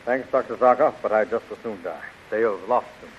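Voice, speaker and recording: An actor playing a bold, plain-spoken young hero in a 1930s radio space serial, on a muffled, noisy old recording. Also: male voice, on the low side, a little fast, natural voice. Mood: despairing.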